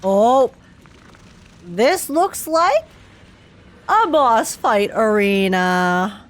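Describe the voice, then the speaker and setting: A woman's voice: fairly high pitch, expressive, very slow. A woman streaming a game with live, slangy, emotionally invested reaction commentary.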